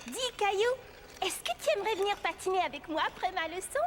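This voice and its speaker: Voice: very high voice, expressive, brisk, background noise. A performer voicing a friendly, confident young girl in a children's cartoon, with an upbeat manner. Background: background music.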